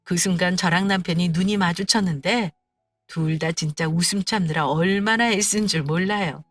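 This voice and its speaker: A woman's voice: medium pitch, dry recording. A woman narrating a true story for a story channel, chatty and confiding.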